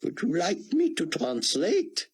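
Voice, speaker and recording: Guy doing a shaky old rabbi voice, way up high, breathy and hushed, kind of off-mic. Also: wildly swooping pitch, slow, exaggerated voice. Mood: awed. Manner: hushed, trembling, rising high in awe. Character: elderly male rabbi scholar, awed and fervent.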